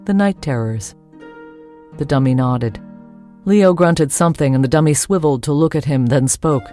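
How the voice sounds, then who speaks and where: A woman's voice: sits low, moderate pace, dark tone, faint music behind. A woman reading a first-person ghost story as its narrator.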